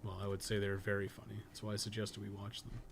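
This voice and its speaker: A man's voice: fairly low pitch, completely flat delivery, quick pace. A man giving casual, rambling live game commentary with plenty of swearing, as a streamer. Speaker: streamer and podcast co-host. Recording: clearly noisy, game audio behind. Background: video game sound and dialogue.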